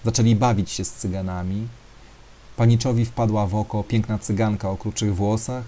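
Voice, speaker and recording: A man's voice: fairly low pitch, fairly even intonation, normal speed, mellow, a little hiss or hum. A man telling a story to an audience, talking hesitantly with fillers and speaking directly to his listeners.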